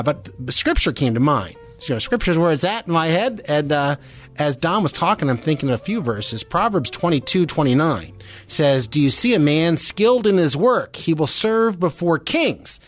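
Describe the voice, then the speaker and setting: A man's voice: fairly high pitch, lively intonation, moderate pace, faint music behind. A man hosting a Christian talk radio show, speaking conversationally in an earnest, encouraging, explanatory way. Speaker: radio host.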